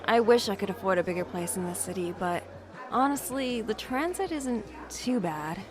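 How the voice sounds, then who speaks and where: A woman's voice: mid-range voice, expressive, moderate pace, close to an everyday voice. Casting: actress as woman in her twenties, overworked but content homebody, hesitant and understated, naturalistic drama dialogue over music. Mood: casual, content. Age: 20s.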